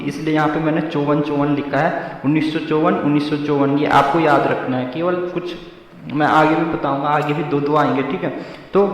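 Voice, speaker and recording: Guy teaching gk memory tricks, keeps repeating himself, voice sits a bit high, big echoey room, mic far off. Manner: repetitive, drilling, says "theek hai" constantly. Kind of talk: exam-prep mnemonic lesson.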